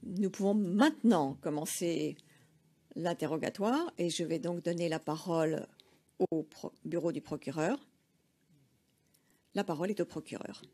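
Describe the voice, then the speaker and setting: Une femme interprète de tribunal, qui traduit en simultané avec un débit mesuré et des hésitations fréquentes. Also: female voice, lowish voice, lively intonation, mellow, husky. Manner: measured, hesitant with frequent fillers. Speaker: courtroom interpreter.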